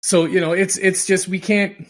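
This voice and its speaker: A man's voice: sits high, flat delivery, normal speed. A man chatting casually on a podcast, emphatic and exasperated, repeating himself to drive points home. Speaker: podcast host. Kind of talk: casual rambling podcast chat. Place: recorded podcast, audio only.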